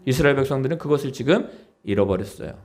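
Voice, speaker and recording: A man's voice: medium pitch, animated, racing, a little mellow. A man preaching a Sunday sermon as pastor, pleading and emphatic, often asking his congregation questions. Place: church.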